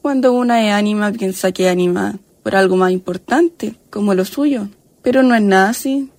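A woman's voice: medium pitch, moderate pace, darkish tone, no echo, natural voice. A woman with a Chilean accent playing a folksy, chatty countrywoman ghost who is fond of a drink, in a radio drama. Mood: confiding. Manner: folksy, chatty, affectionate diminutives.

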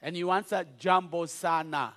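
A man with a Kenyan accent, a bishop speaking to a church, jovial and teaching slowly with laughs. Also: a little high, steady tone, a bit bright. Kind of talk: sermon with song.

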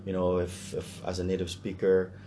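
A man's voice: low voice, monotone, moderate pace, noisy background. A Canadian man talking casually in a discussion, hesitant as he thinks aloud.

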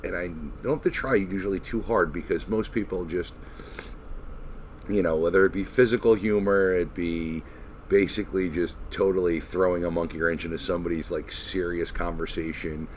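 A man hosting a podcast, chatting casually in a halting, informal way with some swearing. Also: low-pitched, a little mellow. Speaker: podcast host. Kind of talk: casual chat. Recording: noisy recording.

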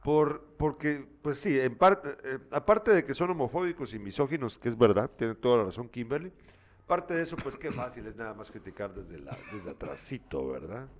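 A man's voice: mid-range voice, animated, normal speed. A man co-hosting a news talk show, reading viewer messages and answering with exasperated, opinionated commentary. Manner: opinionated, exasperated, scolding asides.

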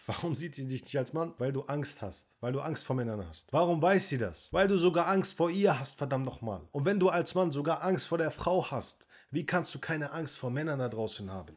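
A man's voice: fairly high pitch, animated, normal speed. A man giving a blunt, confrontational coaching monologue, lecturing the listener directly and sometimes mocking them in a whiny voice. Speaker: men's coach.

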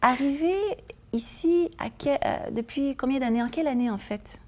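Mellow-voiced woman TV host. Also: sits high, moderate pace. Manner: friendly, prompting questions. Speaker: community TV host. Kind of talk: interview host. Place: community TV studio.

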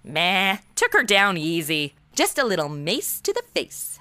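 An actress playing a sassy, flippant modern twenty-something in a comedic noir audio drama, slangy and snarky. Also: female voice, lowish voice, huge pitch swings, measured pace, pushed and bright, clean tone, no room sound, exaggerated voice.

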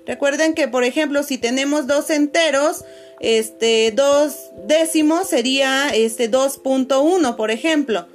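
A woman teacher, talking patiently to her pupils on a video call and filling pauses with "este". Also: high-pitched, soft background music. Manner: patient, many fillers, calls pupils "chicos" and "corazones". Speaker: schoolteacher. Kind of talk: online class video call.

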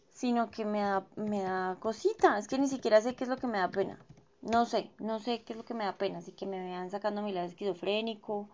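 Young Colombian woman with a Bogotá accent, casual slangy vlogger, dry throat, medium pitch. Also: dull audio. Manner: gossipy and animated, heavy slang fillers, self-mocking. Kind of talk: casual chatty monologue.

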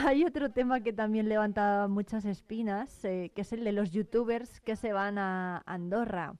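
Female radio host, clear resonant voice, brisk and friendly. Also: medium pitch, darkish tone. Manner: brisk, friendly prompting with short backchannels. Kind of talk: radio interview.

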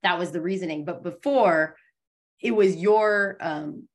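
A woman's voice: fairly low pitch, a little slow. An American woman hosting a podcast interview, upbeat and chatty as she introduces the show and asks questions. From United States. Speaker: podcast host.

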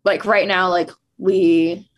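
A woman's voice: fairly low pitch, little pitch movement, takes it slowly, dull audio. A chatty young woman in her early twenties, talking as a guest on a casual podcast. She strings her thoughts together with plenty of "like" fillers. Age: 20s. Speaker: guest photographer. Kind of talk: casual chat.

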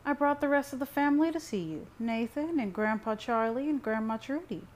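A woman's voice: fairly high pitch, lively intonation, brisk, pitched above the performer's own voice, close to an everyday voice. A meddling mother, voiced by a woman narrator, speaks with syrupy false sweetness. There is a leer under her polite words, in the manner of an audiobook villain. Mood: falsely sweet. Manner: cloying, leering. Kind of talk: audiobook character reading.

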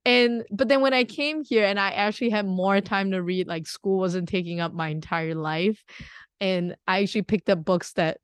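A woman from Singapore chatting casually with a friend. She laughs easily and often leaves sentences half finished. Her voice sits at an ordinary pitch, recorded dry with little room sound. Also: moderate pace, clear, resonant tone, no room sound. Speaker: conversation partner. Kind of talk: casual chat.

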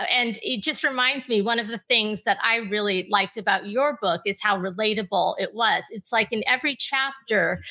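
A woman interviewing an author, warmly affirming her answers before asking her next question. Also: medium pitch. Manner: warm, affirming, with quick assents. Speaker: guest interviewer. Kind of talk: conversational interview.

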